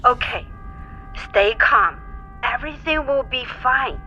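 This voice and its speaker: Motherly woman, doting, fussing, bright forceful voice, audio drama, dull lo-fi sound with rumble. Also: expressive, slow pace, full character voice. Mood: doting, reassuring. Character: reassuring, doting, protective mother of adult daughter. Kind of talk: naturalistic audio drama dialogue.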